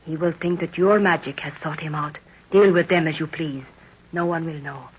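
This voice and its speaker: A woman's voice: sits low, steady tone, normal speed, lightly acted. An actress playing a commanding tribal witch woman in a 1930s radio serial, speaking in formal, incantatory phrases. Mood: grave, urgent. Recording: muffled, noisy 1930s radio recording.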